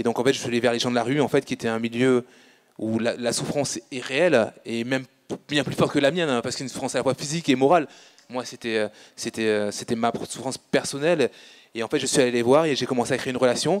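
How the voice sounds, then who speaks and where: His intonation is fairly even and his pitch medium. This man talks at a very fast pace. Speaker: street photographer. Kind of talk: interview. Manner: halting.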